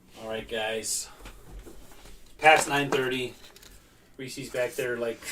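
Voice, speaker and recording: A man at medium pitch with fairly even intonation and a very slow pace, his loudness swinging widely over noticeable background noise. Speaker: online clothing reseller, channel co-host. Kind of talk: casual live stream chat. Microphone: far from the shared microphone.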